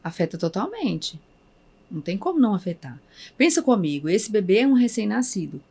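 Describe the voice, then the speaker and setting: Woman, Brazilian Portuguese accent, 30s, psychologist guest, rapid pace, animated storyteller. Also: medium pitch, gravelly, breathy edge. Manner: animated storytelling, acts out remembered speech. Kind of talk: casual conversational interview.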